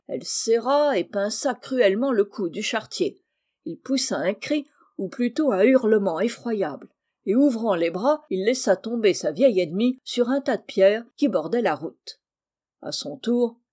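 Warm-voiced woman narrating a classic novel. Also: medium pitch. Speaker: audiobook narrator.

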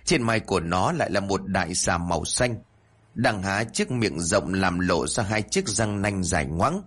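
A man narrating a spooky audio story with a lively, dramatic telling. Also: low-pitched, measured pace, breathy edge.

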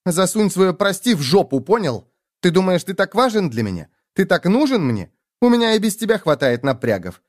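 A man voicing a sharp-tongued, angry young woman in an audiobook, sarcastic and swearing. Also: sits high, big pitch swings, normal speed, pitched above the performer's own voice. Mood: furious.

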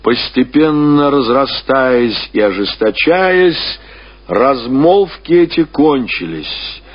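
A man reading classic fiction as a narrator, in measured, expressive storytelling with deliberate pauses. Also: mid-range voice, husky. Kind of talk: scripted literary narration. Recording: dull, lo-fi radio-style recording.

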